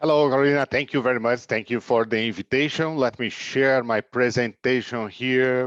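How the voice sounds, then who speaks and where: With a Brazilian accent, a man speaks at a moderate pace and a medium pitch, with hardly any pauses. His intonation is fairly even, and the sound is dry and close with no echo. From Brazil, São Paulo area. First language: Portuguese. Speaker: business executive, keynote speaker. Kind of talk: business presentation. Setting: online webinar. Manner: halting, many fillers.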